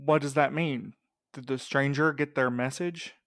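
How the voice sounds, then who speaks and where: A man's voice: mid-range voice, fairly even intonation, moderate pace, gravelly, a bit bright, no echo, clean studio sound. A man playing a careful, logical, slightly anxious courier in an audio drama, hesitantly reasoning aloud. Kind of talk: naturalistic audio drama acting.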